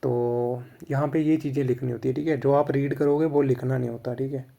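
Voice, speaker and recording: A man's voice: medium pitch, flat delivery, fairly quick, gravelly, mellow. A man with an Indian accent explains a lesson plan in casual instructional Hindi mixed with English, often checking "theek hai".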